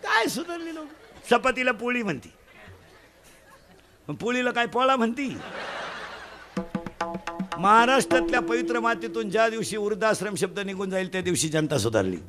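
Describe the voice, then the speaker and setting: A man from Maharashtra delivering a comic devotional sermon, animated, with loud bursts and mimicry of village folk. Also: high voice, normal speed, pauses often, music in the background, crowd noise. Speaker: kirtan preacher.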